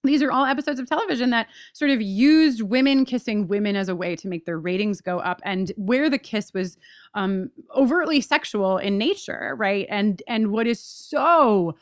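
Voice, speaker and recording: A woman hosts a rewatch podcast in a fairly high voice. She is emphatic and expressive, dropping casual asides into her commentary. The sound is dry, with no room on it. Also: moderate pace, no echo. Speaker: podcast host.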